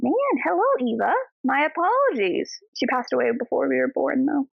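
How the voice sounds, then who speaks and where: A woman co-hosting a casual book club podcast, bubbly and animated with quick asides. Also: high voice, vocal fry, no room sound. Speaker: podcast co-host. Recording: dull lo-fi dry sound.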